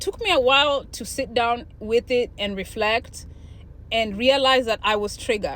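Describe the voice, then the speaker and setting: This woman has an African accent and a high pitch. She talks at a moderate pace with ordinary pitch variation. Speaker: YouTuber. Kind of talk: casual talk to camera.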